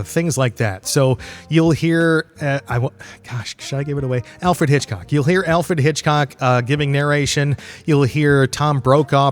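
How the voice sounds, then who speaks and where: A man hosting a solo podcast in a casual, rambling, conversational way. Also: a little high. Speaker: podcast host.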